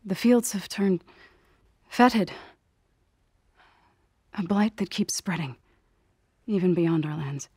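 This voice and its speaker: Joven guerrera tribal, solemne, grabación seca. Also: female voice, lowish voice, expressive, slow pace, pauses often, dark tone, husky, dry recording, studio quality, full character voice. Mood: solemn. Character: earnest young tribal woman warrior, grave and devout. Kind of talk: video game character voice acting.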